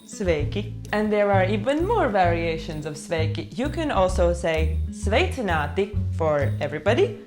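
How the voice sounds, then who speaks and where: A woman's voice: on the low side, sing-song, moderate pace, few pauses, music in the background. A young woman with a Latvian accent, a Latvian native speaker, teaching a casual language lesson in a playful, chatty way with wry asides.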